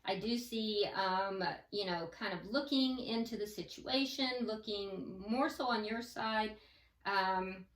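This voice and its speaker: A woman giving a tarot reading like a fortune teller, thinking aloud haltingly and advising the listener directly. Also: medium pitch, fairly bright tone. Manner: hesitant, thinking aloud as cards are read. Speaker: tarot reader. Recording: roomy echo, distant from the mic.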